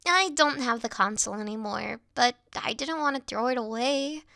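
A woman playing a sweet, clingy young yandere video game girl in a soft, coy, cutesy ASMR roleplay style. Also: on the high side, moderate pace, creaky, no room sound, studio quality. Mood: coy, affectionate.

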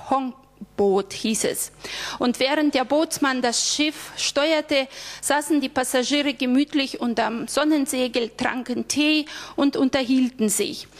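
A woman telling a story in church, reading it aloud steadily with small stumbles and restarts. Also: sits high.

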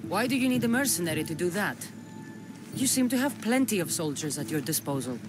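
A woman's voice: lowish voice, big pitch swings, brisk. A woman playing a cool, defiant young mercenary warrior in game dialogue, dry, guarded and challenging. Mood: businesslike. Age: young adult. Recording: music behind the voice.

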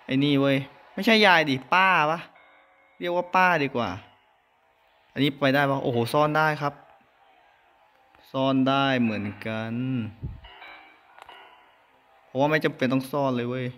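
A man hosting a horror game let's-play, excitable and often yelling in alarm while talking to his viewers. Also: mid-range voice, normal speed, pauses often. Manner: excitable, exclaims loudly when startled, talks to viewers. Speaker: gaming channel host.

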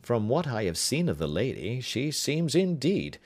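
A man's voice: medium pitch, big pitch swings, a little slow, a little mellow, voice pushed up. A man reading as a cool, precise detective, formal and restrained.

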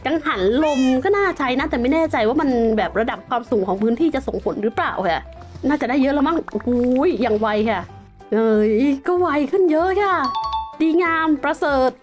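A young woman giving casual, excitable gameplay commentary as a game host, full of exclamations. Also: high-pitched, fairly quick, soft background music.

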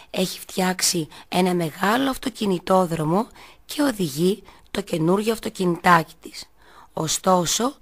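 Woman, kindergarten teacher, radio host, children's story reading, clear and measured, low voice.

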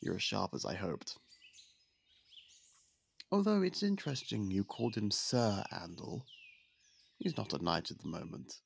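A man voicing a young royal prince in an ASMR roleplay, candid and persuasive, who confides in a soft, hushed way. His voice sits fairly low and is heavily gravelly with vocal fry. A faint hiss of noise lies underneath. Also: sing-song, a little slow, long pauses, exaggerated voice. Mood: gentle, confiding. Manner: soft-spoken, confiding, with some hushed whispers. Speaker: voice actor.

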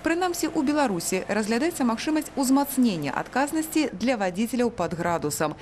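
A woman with a Belarusian accent reading a scripted news report in a measured newsreader manner. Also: fairly high pitch, a little hiss or hum. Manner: measured, lively newsreader delivery.

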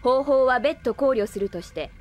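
A woman playing an emotionless female android in an anime audio drama, speaking in formal, precise, deadpan reports. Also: high-pitched, normal speed. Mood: detached.

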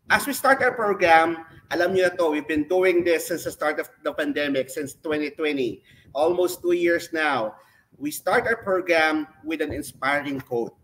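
A man with a Filipino accent hosts a live online webinar, switching between English and Filipino as he introduces mentors and segments. His voice sits a little high for a man, with faint background noise behind the video-call audio. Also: a bit bright, rough recording. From Philippines. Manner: mixes English and Filipino, announcer-like. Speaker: host. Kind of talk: webinar hosting.

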